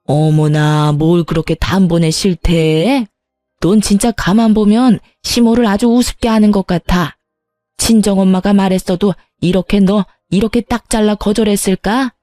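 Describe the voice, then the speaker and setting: A woman's voice: medium pitch, fairly even intonation, normal speed, dark tone, no room sound, clean studio sound, soft background music, natural voice. A woman voicing a bossy, demanding older mother-in-law who scolds and pushes in a storytelling video. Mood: scornful. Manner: pushy, scolding.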